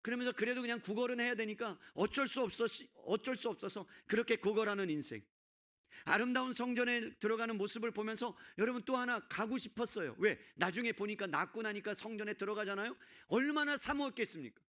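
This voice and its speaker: A man's voice: high-pitched, quick pace, pushed and bright. A male pastor delivering a Sunday sermon, often calling out to the congregation and voicing a character's inner thoughts. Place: church sanctuary.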